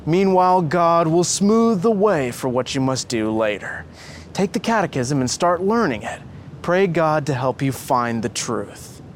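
A man's voice: fairly high pitch, lively intonation, unhurried, a little hiss or hum. A man voicing an earnest, pious young man in a story, reassuring and persuasive as he preaches.

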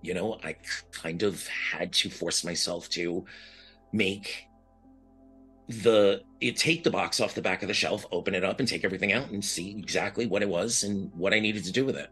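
A man from New York speaks in an earnest, reflective way, circling back and restarting as he thinks. His voice sits very low in pitch, yet the tone is bright and forceful. Soft music runs faintly underneath. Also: normal speed, slightly rough. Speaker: guest, blind advocate. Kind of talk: candid podcast interview.

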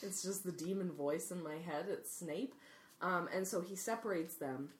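A woman's voice: on the low side, moderate pace, a little hiss or hum. A woman co-hosting a podcast, talking through a book in casual chat. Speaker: podcast co-host. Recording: roomy, echoey sound.

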